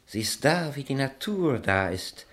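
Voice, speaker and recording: An actor playing a lofty, evasive amateur poet under suspicion, with a theatrical manner, in a German radio crime drama. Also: male voice, mid-range voice, big pitch swings, unhurried, a bit bright.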